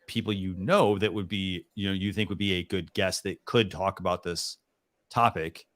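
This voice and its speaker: A man's voice: deep voice, fairly even intonation, moderate pace, a bit bright, no room sound. A man co-hosting a live stream, chatting casually in a rambling way with lots of restarts. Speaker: co-host of a live stream show.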